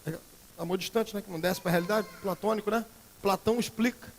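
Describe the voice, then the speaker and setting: A Brazilian pastor preaching a sermon in a church, swinging between loud emphatic outbursts and quiet earnest passages. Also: male voice, high-pitched, fairly even intonation, fast, in a large hall. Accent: Brazilian Portuguese. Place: church sanctuary.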